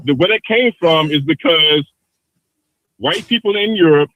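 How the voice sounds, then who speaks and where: A man in his fifties calls into a live show for a heated debate, arguing insistently and repeating the same points over and over. His voice is fairly high and fairly bright, at a moderate pace. The audio is poor but has no room sound.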